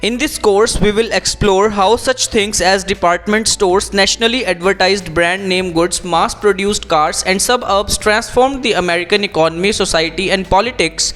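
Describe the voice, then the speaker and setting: High-pitched Indian man, teacher reading aloud. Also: normal speed, few pauses, fairly bright tone, soft background music. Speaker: English exam coach. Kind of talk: instructional read-aloud with tips.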